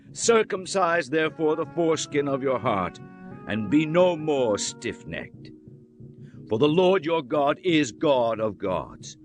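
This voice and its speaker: Solemn male prophet, actor-voiced, declamatory scripture audiobook delivery, wide-ranging intonation, clear musical bed underneath. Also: medium pitch. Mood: fervent exhortation. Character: solemn male prophet exhorting his people. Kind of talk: dramatized scripture audiobook reading.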